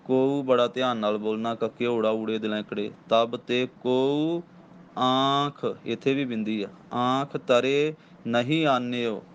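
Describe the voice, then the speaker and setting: A man with a Punjabi accent leads a slow, patient recitation lesson, pausing on each word to explain how it should be pronounced. His delivery is deliberate and measured. The recording is dull and lo-fi, with a faint ambient hum behind him. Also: medium pitch, fairly even intonation. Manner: patient, corrects word by word, slow chanted demonstration. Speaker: Gurbani recitation teacher. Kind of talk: line-by-line pronunciation lesson.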